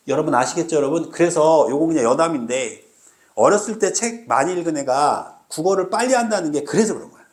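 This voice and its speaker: A man's voice: fairly high pitch, darkish tone. A male teacher giving a recorded exam-prep reading lecture, drilling students with constant rhetorical questions. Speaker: Korean language teacher.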